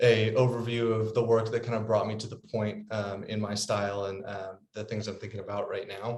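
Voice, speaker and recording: At a moderate pace, a man talks in a monotone, flat way at medium pitch, sounding somewhat breathy. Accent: American. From Northern California (Davis). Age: 20s. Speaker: artist. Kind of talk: artist talk presentation.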